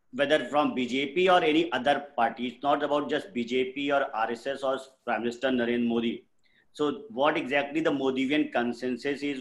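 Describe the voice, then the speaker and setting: A man speaks at a moderate pace with an Indian accent. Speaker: political science professor. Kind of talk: lecture. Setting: video call. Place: home room. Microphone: webcam.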